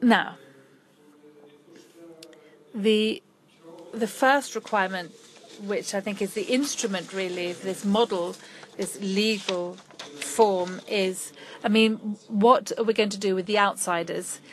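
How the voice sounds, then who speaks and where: A woman interpreting a conference talk in real time, her pitch sitting in an ordinary middle range. She moves forward in bursts and stalls on fillers, restarting phrases as she catches up with the speaker. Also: steady tone, low-quality recording. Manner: halting, frequent fillers and restarts. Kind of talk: simultaneous interpretation of a lecture.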